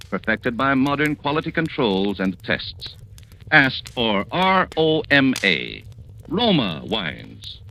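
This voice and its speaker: Smooth, bright vintage radio announcer. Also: male voice, medium pitch, slight background noise. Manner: smooth, persuasive. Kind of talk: scripted commercial. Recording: muffled vintage radio broadcast.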